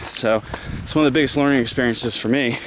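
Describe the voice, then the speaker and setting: A man's voice: medium pitch, steady tone, quick pace, low-quality recording. A man talks casually to camera while running and climbing on an outdoor trail, somewhat winded, with sighing breaths between phrases. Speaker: trail runner vlogging his run. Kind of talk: casual vlog commentary to camera. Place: outdoors on a rocky wooded trail. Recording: clear outdoor background noise.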